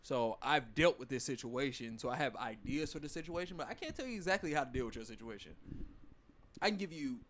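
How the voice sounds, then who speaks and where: Podcast co-host, male, halting and searching delivery, light noise underneath. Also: mid-range voice, expressive, a bit bright. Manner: halting, loses his train of thought. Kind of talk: casual group chat.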